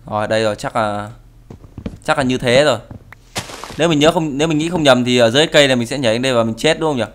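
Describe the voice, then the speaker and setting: Fast-talking with a medium-pitched voice, a young YouTuber narrates a Minecraft let's play playfully, breaking into theatrical wails and pleas. Slight background noise can be heard.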